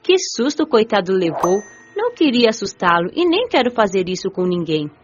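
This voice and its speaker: A woman playing a gentle, playful young spirit who narrates an audiobook drama in an expressive storytelling manner. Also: mid-range voice, brisk, natural voice. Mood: amused. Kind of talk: scripted first-person audiobook narration. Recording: dull band-limited audio, faint music.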